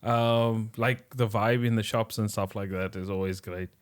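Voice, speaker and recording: A young South African man co-hosting a podcast in casual chat, easygoing and soft-spoken, often trailing off. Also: lowish voice, fairly even intonation, normal speed, clear, resonant tone. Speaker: podcast co-host.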